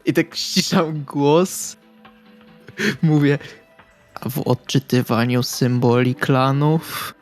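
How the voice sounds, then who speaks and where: Slow, creaky-voiced man role-playing. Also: mid-range voice, steady tone, darkish tone, faint music behind. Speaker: tabletop game player. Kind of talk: role-play, speaking in character.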